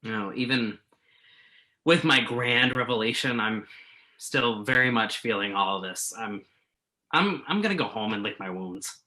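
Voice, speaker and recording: A man acting as a magazine journalist in a naturalistic play reading. His bright voice moves around a lot in pitch, and he is blunt, sometimes halting as he softens into apology. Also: animated, low-quality recording. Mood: hurt. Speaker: actor in a virtual staged reading.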